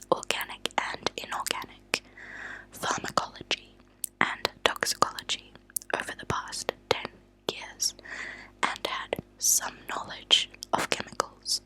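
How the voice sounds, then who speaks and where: A woman hosting ASMR, speaking in a soft, breathy, unvoiced whisper with a hushed, deliberate delivery and pauses. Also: poor audio. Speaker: ASMR channel host. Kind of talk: whispered ASMR true-crime reading. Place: at a desk indoors.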